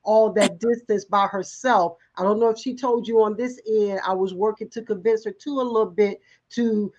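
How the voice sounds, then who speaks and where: A woman's voice: medium pitch, fairly even intonation, normal speed, darkish tone, dull audio. A woman hosting an interview, asking encouraging questions and often restarting her sentences. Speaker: talk show host. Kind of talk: interview in recovery show.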